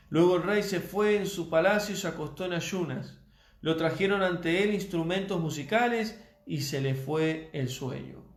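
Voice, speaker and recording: A man preaching a sermon in a measured, emphatic way, repeating key phrases for weight. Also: on the high side, roomy sound.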